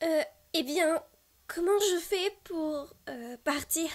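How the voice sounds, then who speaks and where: A woman's voice: extremely high pitch, expressive, slow, full character voice. A woman voicing a panicky, bewildered young female jester in a French cartoon fan dub, stammering anxiously.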